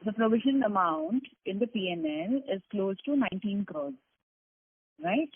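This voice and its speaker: A woman's voice: mid-range voice, expressive, normal speed, a little hiss or hum. A woman analyst on an earnings call, asking detailed, probing questions about figures. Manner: probing, detailed, numbers-focused. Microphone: phone. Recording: husky voice over phone line.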